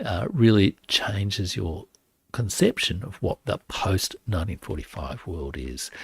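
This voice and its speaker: A man talks at a fairly slow pace with vocal fry and lively intonation. His loudness swings widely. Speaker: history and geopolitics commentator. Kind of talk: live stream commentary. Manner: hesitant, many fillers.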